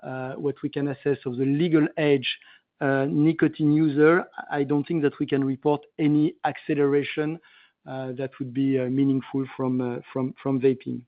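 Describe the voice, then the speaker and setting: A man's voice: mid-range voice, level tone, dry recording. Executive man on a tinny phone line. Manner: halting, emphatic, repeats phrases for stress. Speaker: company executive answering analysts' questions. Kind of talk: earnings call answers.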